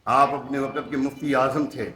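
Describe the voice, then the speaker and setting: A man's voice: mid-range voice, steady tone, fairly bright tone, reverberant. A man giving a religious sermon, telling stories and acting out the quoted lines with emphatic rhetorical questions. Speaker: preacher. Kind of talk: Urdu religious sermon with storytelling.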